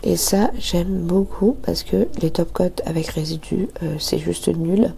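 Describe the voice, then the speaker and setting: A woman reviewing nail gels and narrating a nail tutorial, hesitant with many fillers and soft half-whispered asides. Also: lowish voice, fairly even intonation, measured pace, gravelly, slight background noise. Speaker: nail artist reviewing products. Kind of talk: product review and tutorial voice-over.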